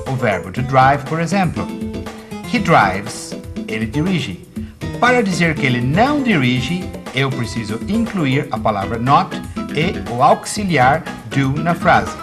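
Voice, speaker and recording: Animated Brazilian man teaching English. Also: mid-range voice, unhurried. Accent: Brazilian Portuguese. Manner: didactic, emphatic on examples. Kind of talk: scripted TV lesson. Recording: music bed underneath.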